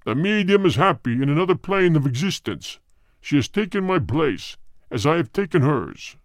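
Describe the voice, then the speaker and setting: A male audiobook reader voicing a cold, hard, deep spirit that speaks through a medium in slow, grave sentences. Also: very animated, dry recording, clean studio sound. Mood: solemn. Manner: slow, grave, measured pronouncements. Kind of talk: audiobook reading.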